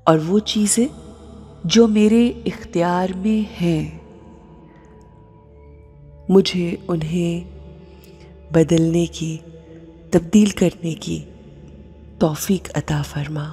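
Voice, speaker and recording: A woman with a low, mellow, breathy voice guides a meditation at a very slow, measured pace. She speaks in short phrases with long pauses, in a soft tone wrapped in long reverb. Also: steady tone. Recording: long reverb with music bed. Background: music.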